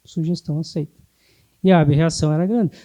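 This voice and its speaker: A man teaching a hypnotherapy class in a calm, explanatory way. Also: a little high, a little fast. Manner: calm, explanatory, sometimes acts out clients. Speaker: hypnotherapy instructor.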